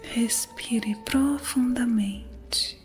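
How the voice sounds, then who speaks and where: A woman narrating an ASMR guided meditation in a soothing, unhurried manner. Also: fairly high pitch, darkish tone. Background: music.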